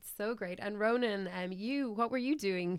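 In an Irish accent, a woman speaks fairly quickly at a medium pitch with ordinary pitch variation. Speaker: podcast host. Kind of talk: casual interview chat. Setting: studio.

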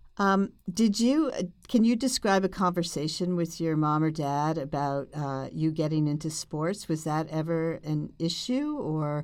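A woman speaks fairly slowly in a fairly low pitch, an ordinary speaking voice with ordinary pitch variation and hardly any pauses. The recording is very clean with a silent background. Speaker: magazine editor. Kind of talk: interview.

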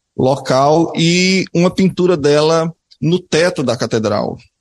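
A man is speaking. The background is quiet. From Ceará, Brazil (Limoeiro do Norte, interior). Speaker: painter and art teacher. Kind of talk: interview conversation. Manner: halting, with frequent repetitions.

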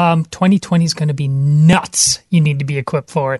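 A man with an American accent speaks at a fairly quick pace with ordinary pitch variation, the sound dry and close with no echo. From Wisconsin. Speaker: radio show co-host. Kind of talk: political talk radio.

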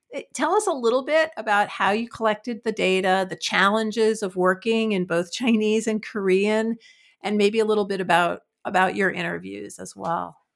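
This woman has a normal speaking voice at a medium pitch and a moderate pace. The recording is very clean, with a silent background. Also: ordinary pitch variation. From New York City (Queens). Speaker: podcast host, professor. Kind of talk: interview.

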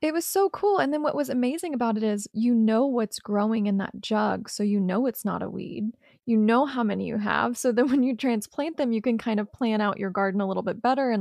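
A woman's plain, everyday voice, fairly high in pitch, at a fairly quick pace with hardly any pauses, over a quiet background. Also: ordinary pitch variation. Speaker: podcast host. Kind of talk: casual chat interview.

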